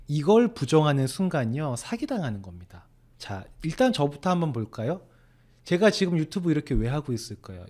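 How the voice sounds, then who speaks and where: Lively middle-aged Korean man explaining. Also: a little high. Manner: animated storytelling, acts out dialogue, rhetorical questions. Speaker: financial consultant, channel host. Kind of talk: talking to camera, explainer.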